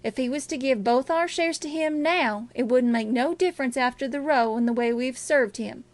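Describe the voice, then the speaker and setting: Casting: murderous river gang man played by a female reader, rustic dialect, blunt, high voice, audiobook story. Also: normal speed, no echo, lightly acted. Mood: menacing.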